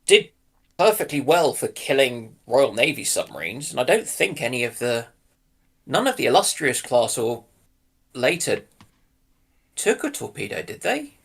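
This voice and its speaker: A man's voice: mid-range voice, very animated, a little slow, gravelly, long pauses, breathy edge. A man chatting casually as a panelist, musing tentatively and often putting his points as questions. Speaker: co-panelist in discussion. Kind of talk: casual speculative chat.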